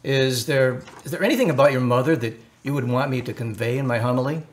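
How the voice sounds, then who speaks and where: A man's voice: medium pitch, quick pace, slight background noise, close to an everyday voice. A man acting the part of an earnest, solicitous Catholic priest in a radio drama, speaking formally and a little hesitantly in a consoling, pastoral way. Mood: gentle, consoling.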